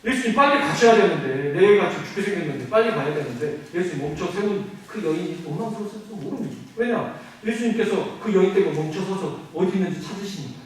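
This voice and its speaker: A man preaching a sermon as pastor, animated, asking the congregation questions and answering them himself. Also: high voice, fast talker. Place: church sanctuary. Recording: very echoey hall, mic at a distance.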